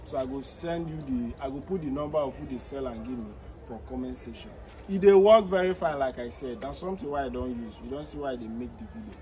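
A man's voice: mid-range voice, quick pace, a little mellow, low-quality recording. A man in his thirties with a Nigerian Pidgin English accent, a fish farmer explaining the steps outdoors beside his fish tanks and repeating the key points. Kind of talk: outdoor farming tutorial. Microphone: phone camera at a short distance. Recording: outdoor phone video with noticeable ambient noise.

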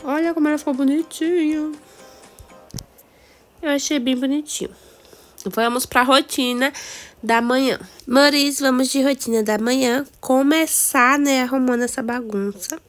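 A woman with a Brazilian accent and a cold, hoarse, chatting casually to viewers through a game walkthrough. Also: sits high, normal speed, soft background music. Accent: Brazilian Portuguese. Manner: chatty, addresses viewers as "amores". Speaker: gameplay video host.

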